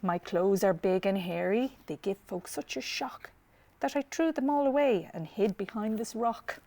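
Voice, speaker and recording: A woman voicing a shy, lonely, gentle hairy yeti in a picture-book read-aloud. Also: mid-range voice, moderate pace, lightly acted. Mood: wistful, explaining.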